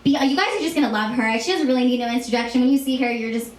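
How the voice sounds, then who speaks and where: A woman's voice: on the high side, racing. An American woman hosting a live talk show in a gushing, effusive manner. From Seattle, United States. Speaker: talk show host, comedian. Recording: echoey room with faint noise.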